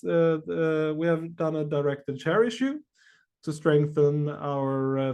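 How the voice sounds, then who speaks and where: A man answering questions as a company executive on an earnings call, speaking haltingly with many long filled pauses. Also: fairly high pitch, darkish tone.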